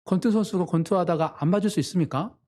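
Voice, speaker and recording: A man's voice: fast, mellow. A man preaching a Sunday sermon as pastor, in an earnest manner. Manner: earnest preaching, voices quoted family members with sudden pitch jumps.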